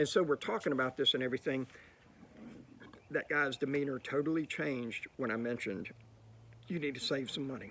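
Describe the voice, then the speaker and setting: A man's fairly high voice at a fairly quick pace, with ordinary pitch variation and long, frequent pauses. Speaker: real estate investor and motivational vlogger. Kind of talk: motivational talk to camera. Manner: loud; animated.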